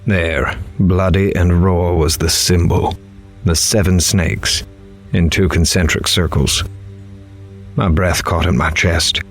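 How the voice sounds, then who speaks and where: A man's voice: low-pitched, steady tone, takes it slowly, heavily acted. A man playing a grave, horrified reporter in a horror audio drama, dramatically telling his story in the first person. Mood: grave dread. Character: horrified male reporter recounting an interview with a killer. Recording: music underneath.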